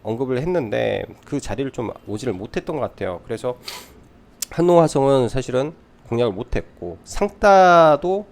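Male trading adviser for a live market recap: explanatory, animated intonation, noticeable vocal fry. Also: mid-range voice, normal speed. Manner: explanatory, poses questions then answers them.

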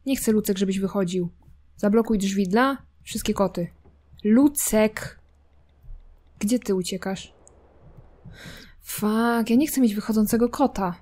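A woman's voice: medium pitch, a little slow, pauses often, a little mellow. Chatty woman teasing her game characters. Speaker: gameplay streamer. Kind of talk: casual commentary while playing a life simulation game.

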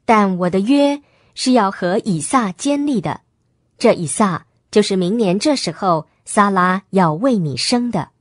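God speaks in a solemn, measured way as an almighty male deity , voiced by a woman reading scripture. The delivery is steady and even, in a dry, close recording. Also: medium pitch, dry recording.

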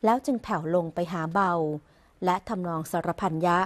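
Woman reading formal royal court news. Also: lowish voice. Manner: measured, formal and even. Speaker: news reader.

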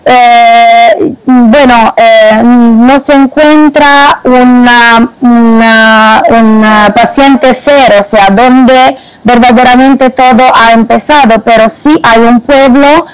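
Slow, hesitant Italian woman. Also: on the high side, fairly even intonation, smooth, low-quality recording. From Italy. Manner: hesitant, many fillers and restarts. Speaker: guest. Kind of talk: phone-in interview testimony.

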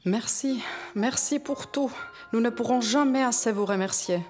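A woman playing a grateful mother in hiding in an animated wartime film. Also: a little high, moderate pace, close to an everyday voice. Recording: music over animated scene.

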